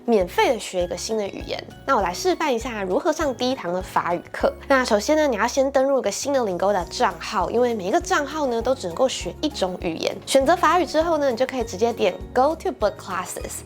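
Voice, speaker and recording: Woman from Taiwan, quick sponsor read over soft music, friendly tone. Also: on the high side, lively intonation. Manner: friendly, upbeat explaining. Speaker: English-learning YouTuber.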